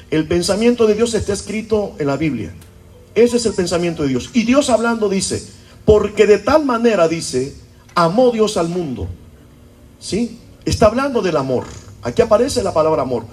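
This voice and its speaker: A man's voice: sits high, animated, normal speed, a little mellow. A pastor preaching a sermon to his church, often throwing rhetorical questions at the congregation. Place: church service.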